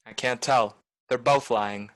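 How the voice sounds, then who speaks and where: A man's voice: medium pitch, steady tone, unhurried, dry recording, natural voice. A man acting a cynical, wisecracking tough private detective in a film noir radio play, with clipped, nonchalant talk. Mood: wry, guarded. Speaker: actor, lead and narrator.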